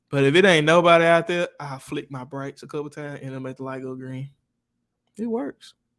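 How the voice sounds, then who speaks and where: A man's fairly high voice, animated in tone, at a fairly quick pace, with big swings in loudness and ordinary pitch variation, on a very clean recording with a silent background. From Mississippi, US South. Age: 20s. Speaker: podcast co-host. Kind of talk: casual chat.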